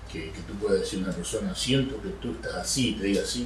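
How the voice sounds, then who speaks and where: A man talks fairly quickly while room echo is audible and background noise is noticeable. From Argentina. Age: 60s. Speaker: psychiatrist and lecturer. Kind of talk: lecture. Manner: halting.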